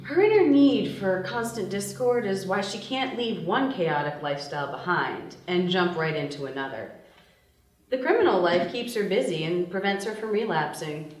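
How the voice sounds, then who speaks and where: A woman's voice: mid-range voice, animated, moderate pace, natural voice. A woman reading the part of a brash, ruthless young jewel thief in her twenties, sardonic and foul-mouthed, at a screenplay table read. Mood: cool, calculating. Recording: roomy, distant mic, faint noise.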